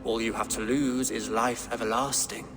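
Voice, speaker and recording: A man playing a pious, solemn medieval Christian king in a video game, speaking in measured, formal oratory with cold magnanimity. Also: medium pitch, fairly even intonation, lightly acted. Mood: grave, offering. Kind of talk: video game dramatic acting. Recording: long hall reverb, music behind.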